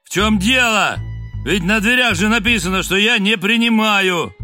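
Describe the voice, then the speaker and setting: An actor playing an arrogant, irritable empty suit that speaks with its boss's voice, snapping at visitors in a radio drama. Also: male voice, high-pitched, moderate pace, bright, forceful tone, soft background music. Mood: irritated. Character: haughty irritable empty suit of a male boss.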